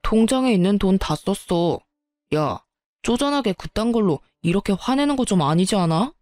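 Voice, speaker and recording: A sneering, arrogant married man who answers every complaint with dismissive insults, voiced by a woman reading a storybook tale. The tone is soft and mellow, recorded dry and close. A faint music bed plays underneath. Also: medium pitch, animated, moderate pace, dry recording, natural voice. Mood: offhand.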